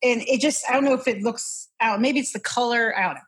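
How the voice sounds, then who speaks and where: This podcast guest, a woman in her twenties, talks fast in a slightly high voice. She laughs, rambles, and cuts herself off mid-thought throughout the casual conversation.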